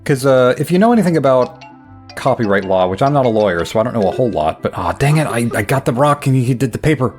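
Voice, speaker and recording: A man's voice: medium pitch, lively intonation, fast, faint music behind. A young man giving rambling, wry, self-deprecating commentary while playing a game. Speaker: gameplay commentator. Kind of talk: casual let's play commentary.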